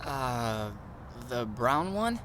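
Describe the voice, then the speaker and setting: A man's voice: mid-range voice, big pitch swings, very slow. A man acting an earnest, blunt young escaped test subject in an audio drama, sounding worried. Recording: clearly noisy outdoor ambience bed.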